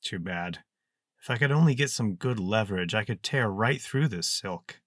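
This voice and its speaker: Man doing a gruff, low-voiced strongman. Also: animated, normal speed, a bit bright, no room sound, clean studio sound. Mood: matter-of-fact. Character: gruff strong male captive, blunt and practical.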